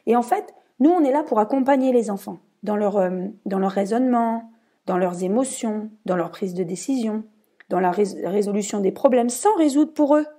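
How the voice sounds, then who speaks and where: Earnest woman with a warm, breathy voice. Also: medium pitch, moderate pace. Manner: earnest, explanatory. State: tired. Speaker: podcast host. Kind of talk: casual monologue.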